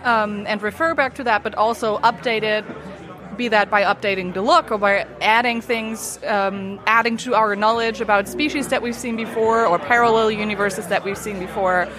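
A woman's voice: medium pitch, steady tone, moderate pace, crowd noise. A woman scholar answering casually in an interview, raising her voice over event noise. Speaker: science fiction scholar interviewed. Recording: noisy crowded evening event.

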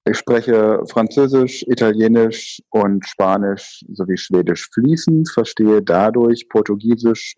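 A native German-speaking man, a guest on an interview podcast, explaining fluently in a relaxed way. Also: lowish voice, dry recording, dull audio. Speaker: guest, learning expert. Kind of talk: conversational interview.

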